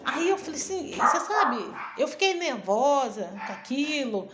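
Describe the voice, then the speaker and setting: High-voiced woman telling a church story. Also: big pitch swings, a little slow, very noisy. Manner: chatty, strings events with frequent "aí"; acts out quoted dialogue in her own voice. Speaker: missionary and preacher. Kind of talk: personal testimony storytelling.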